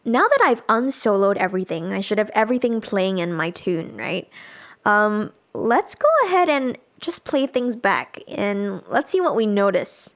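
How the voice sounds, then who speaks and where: A woman giving a casual live software tutorial as a music production instructor, thinking aloud as she demonstrates. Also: mid-range voice, big pitch swings, normal speed.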